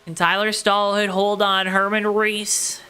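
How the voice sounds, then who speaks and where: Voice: medium pitch, flat delivery, measured pace, bright, forceful tone, clean tone. A motorsport commentator calling a race live, with dramatic, emphatic repetition and colorful phrasing. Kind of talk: live play-by-play racing commentary.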